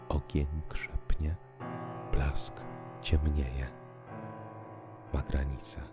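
Deep-voiced man, slow dramatic narration. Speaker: audiobook narrator. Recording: music bed under the voice. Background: piano and musical accompaniment.

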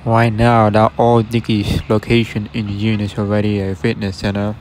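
A man's voice: fairly low pitch, completely flat delivery, normal speed, darkish tone. A man narrating a casual walkthrough of a closed restaurant, speaking matter-of-factly and addressing his viewers directly. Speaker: vlogger exploring closed stores. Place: outdoors at a shopping center storefront. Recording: faint outdoor traffic noise.

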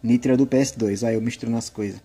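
A man's voice: mid-range voice, fairly even intonation, fast, breathy edge. A man with a Brazilian accent giving casual, rambling gameplay commentary. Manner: rambling, conversational. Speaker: gaming video creator. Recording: loud game music behind.

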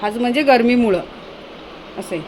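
A woman's voice: a little high, moderate pace, darkish tone. A woman chatting casually through a home vlog, talking and scolding as she goes. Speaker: vlogger. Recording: noisy home recording.

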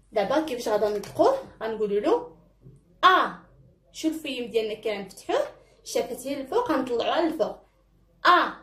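Moroccan woman, children's teacher, high and lively, encouraging, echoey room. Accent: Moroccan Arabic. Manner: encouraging, drawn-out repeated syllables. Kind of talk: children's phonics lesson.

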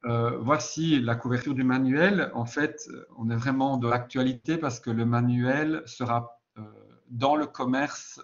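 A man's voice: medium pitch, fairly even intonation, measured pace, highs cut off. A man from Belgium with a Belgian French accent, giving a conference presentation about a textbook, explaining at length with many hesitations and self-corrections. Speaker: university lecturer presenting a textbook.

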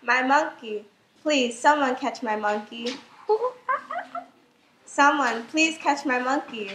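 A woman's voice: high voice, takes it slowly, bright, forceful tone, exaggerated voice. A young woman playing a fretting grandma who lost her pet monkey, in an amateur puppet show. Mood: anxious, indignant. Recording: echoey room, clear background noise.

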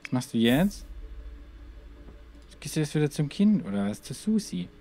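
A man's voice: fairly high pitch, sing-song, normal speed, mellow, a little hiss or hum. A man hosting a let's play, talking casually to his game characters with muttered asides and frequent exclamations. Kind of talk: gaming commentary.

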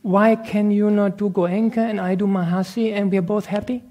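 A man's voice: high-pitched, fairly even intonation, normal speed, dark tone. A man, a meditation teacher answering audience questions, explaining earnestly and laughing often. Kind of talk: lecture Q&A. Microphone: handheld microphone passed around the room.

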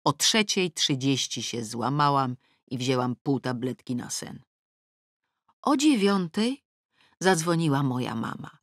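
A middle-aged woman narrates a first-person novel as an audiobook, slow and deliberate, with a wry, ironic edge. Her voice is close and dry, recorded in a studio with no room sound. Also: a bass voice, no echo. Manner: lively, ironic storytelling, rising to exasperation. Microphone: close studio mic.

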